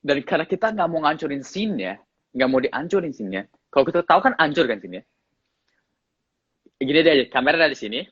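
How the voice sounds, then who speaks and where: A man with a slight English accent in his Indonesian, an actor chatting casually in an interview, relaxed and often laughing. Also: fairly high pitch, fast, long pauses, breathy edge, no echo, dull audio. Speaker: actor guest.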